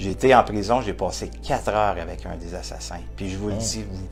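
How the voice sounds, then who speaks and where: A man talks at a moderate pace with a Quebec accent. Music plays in the background. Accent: Québécois. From Quebec, Canada. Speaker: motivational speaker. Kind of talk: interview answer.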